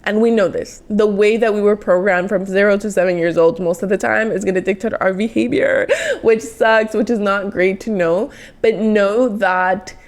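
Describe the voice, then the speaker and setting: A woman in her twenties with a Mexican accent, hosting a motivational solo podcast in an earnest, encouraging way, often speeding up in quick bursts. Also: mid-range voice, fairly even intonation. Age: 20s. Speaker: podcast host.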